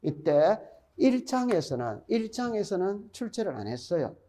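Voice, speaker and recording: A man's voice: high-pitched, sing-song, moderate pace, warm tone. A middle-aged man with a Gyeongsang accent gives an exam-prep lecture, chatty, repeating key points and quizzing his students. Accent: Gyeongsang Korean. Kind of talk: recorded classroom lecture.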